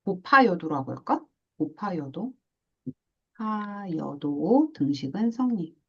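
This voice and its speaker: A woman teaching a math class, lively, asking questions and acting out little scenes. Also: on the low side, slow, husky, dull audio. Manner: animated, asks questions and acts out little scenes. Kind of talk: classroom lecture.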